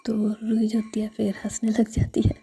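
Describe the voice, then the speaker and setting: A woman narrating a story in a steady whisper. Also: medium pitch, normal speed, husky.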